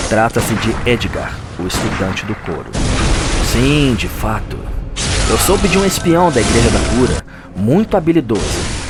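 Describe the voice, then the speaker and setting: A man with a Brazilian accent voicing a lore scholar who narrates a dark gothic nightmare in a grave, theatrical audio drama style. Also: medium pitch, natural voice. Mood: tense storytelling. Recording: music under the voice. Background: music.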